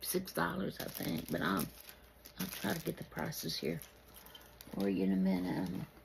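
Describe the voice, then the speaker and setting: A woman's very deep, low voice in a Southern US accent, with lively intonation, a fairly slow pace and long, frequent pauses. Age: 70s. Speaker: YouTuber. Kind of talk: haul video. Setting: at home. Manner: casual chatty.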